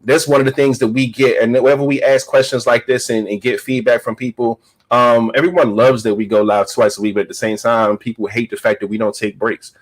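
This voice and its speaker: A man in his thirties hosts a casual podcast in a relaxed, slangy way, breaking into laughter often. His pitch sits in an ordinary middle range. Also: low-quality recording. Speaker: podcast host.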